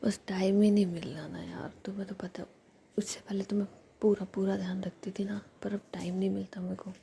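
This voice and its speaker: Woman doing a pouty clingy young woman in a soft whisper, real dark and mellow. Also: medium pitch, flat delivery, brisk, gravelly, a little hiss or hum, close to an everyday voice. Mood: sulky. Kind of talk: whispered storytelling.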